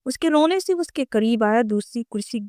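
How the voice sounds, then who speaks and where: A woman narrating a romance novel audiobook in a steady dramatic storytelling voice. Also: on the high side, no room sound, clean studio sound.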